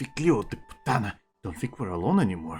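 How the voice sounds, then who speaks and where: Over music in the background and some hissing, a man performs a put-on character voice at a medium pitch and a fairly quick pace, with very wide pitch swings. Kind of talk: low whisper. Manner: grave, hissing, urgent.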